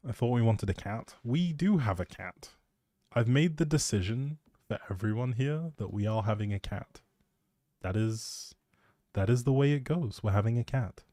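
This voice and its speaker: Male streamer, soft mellow tone, casual teasing ramble, close dry mic. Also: medium pitch, animated, normal speed, dry recording. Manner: playful, teasing, thinking aloud. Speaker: live streamer.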